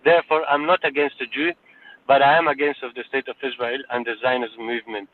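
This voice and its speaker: A man's voice: mid-range voice, little pitch movement, quick pace. A man from Afghanistan arguing in a live audio room. He speaks insistently, lectures his listeners and repeats words when he is cut off. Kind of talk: heated debate. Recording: tinny phone-line audio.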